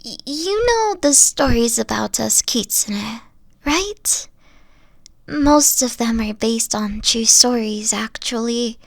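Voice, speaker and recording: A gentle three-tailed fox-girl girlfriend, voiced by a woman for a close-mic audio roleplay, soft-spoken and careful as she explains. Her raised voice carries a gravelly fry, and she talks slowly. The sound is dry and close. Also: a little high, expressive, no room sound, heavily acted. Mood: hesitant, tender. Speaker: voice actor.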